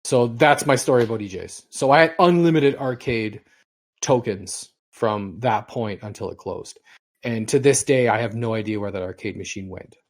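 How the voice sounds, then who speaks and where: A podcast host in his forties, with a lowish voice and moderate pace, rambles through long stories at an easygoing clip in casual conversation.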